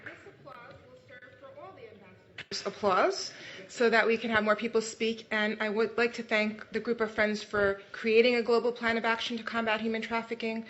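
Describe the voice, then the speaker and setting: A woman chairing a formal meeting, brisk and procedural as she thanks speakers and gives the floor. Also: medium pitch, a bit bright. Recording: muffled lo-fi recording.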